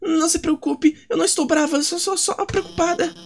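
A man's voice: very high-pitched, fairly even intonation, a little fast, faint music behind, pitched above the performer's own voice. A man voicing a timid, fussy female monster teacher from a video game, stammering and hesitant. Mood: fretful. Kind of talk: video game dialogue read aloud.

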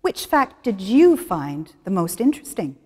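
A middle-aged woman teaches an English class from a studio. She speaks slowly, with a lively rise and fall in her voice. A long reverb trails after her words. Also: mid-range voice. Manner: slow, clear and expressive, guiding students through exercises. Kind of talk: classroom lesson presentation. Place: studio in front of a plain wall.

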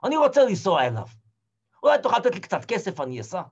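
A man's voice: high voice, wildly swooping pitch, slightly rough, exaggerated voice. A man playing a desperate old Hasid. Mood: pleading. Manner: swings from hushed murmurs to shouted cries. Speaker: storyteller actor. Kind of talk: dramatic first-person theatrical storytelling. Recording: dull lo-fi recording.

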